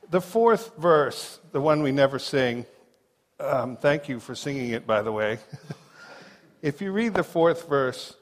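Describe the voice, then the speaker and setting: A man from New Hampshire, a pastor who gives a chatty sermon full of personal stories, and he slows down to read quotations. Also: mid-range voice. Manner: conversational and joking, reads quotes slowly. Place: large church sanctuary. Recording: long reverb of a big hall.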